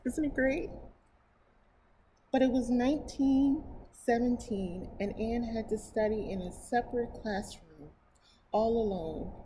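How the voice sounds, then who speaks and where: Reading a picture book aloud to kids at library storytime, a middle-aged American woman speaks at medium pitch, expressive and exclamatory, with eager, conversational asides. The scene is indoors in front of a painted mural, and the low-quality audio carries clear, steady background noise.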